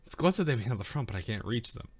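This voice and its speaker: A man's voice: medium pitch, very animated, fast talker, very noisy. A man streaming a game with casual commentary as he reads along. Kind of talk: casual gameplay commentary and dialogue reading.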